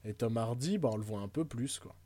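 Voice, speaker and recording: A man's voice: medium pitch, fairly quick, mellow, a little hiss or hum. A man co-hosting a podcast, chatting casually about films in a rambling, hesitant way with frequent fillers and jokes. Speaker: podcast co-host. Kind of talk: casual film chat.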